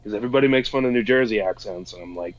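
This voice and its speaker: A man's voice: on the low side, very fast, dull audio. A man from Boston chatting casually on a podcast, swearing freely and laughing easily. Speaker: podcast co-host. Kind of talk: casual chat.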